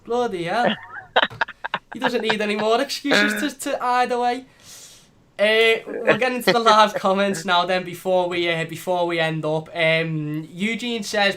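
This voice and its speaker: Animated man with a higher voice. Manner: animated, blunt, swears lightly. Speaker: fan channel host. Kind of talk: casual live chat reading comments.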